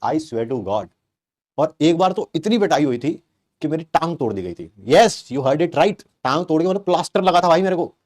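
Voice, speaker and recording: A man's voice: high voice, a little mellow. A middle-aged man from Delhi, a teacher telling a comic personal story to his class with exaggerated flair and rhetorical questions. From Delhi, India.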